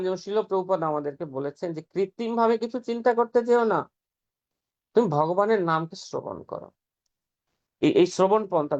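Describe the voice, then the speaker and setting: A preacher gives an earnest devotional talk on scripture, explaining step by step and chanting some passages aloud. His voice sits on the high side, with vocal fry and a darkish tone, in a dull lo-fi recording.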